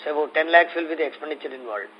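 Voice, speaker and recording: A man with an Indian accent answering investor questions as a company executive on an earnings call, explaining in a halting way. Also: on the high side. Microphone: conference call phone. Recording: muffled conference phone line with noise.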